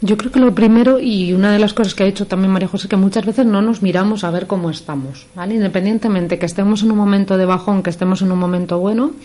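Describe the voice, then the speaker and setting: A woman's voice: mid-range voice, quick pace, few pauses, dark tone. A woman psychologist explaining things on a radio talk show, using everyday examples. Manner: explanatory, gives examples with quoted phrases. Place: radio studio.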